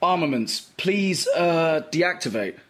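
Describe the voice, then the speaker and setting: A man's voice: fairly high pitch, animated, slow, a bit bright, exaggerated voice. A man voicing a bored, stubborn young woman who runs a space station, playful and sweary. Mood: awkward.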